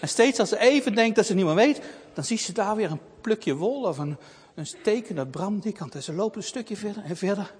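A man reading a Christian children's story aloud with expressive delivery. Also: high-pitched, brisk, breathy edge. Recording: long reverb.

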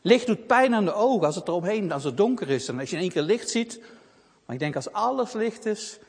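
A man voicing a gentle, devout old grandfather who talks softly and soothingly. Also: high-pitched, animated, slightly rough, heavily acted. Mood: tender. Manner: slow, soft and soothing. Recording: long reverb.

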